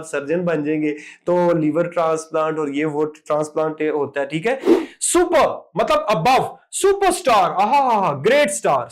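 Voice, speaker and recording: A man teaching exam vocabulary, drilling word after word in an animated lecture. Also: high voice. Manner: lively, emphatic word-drilling with repeated "ठीक है".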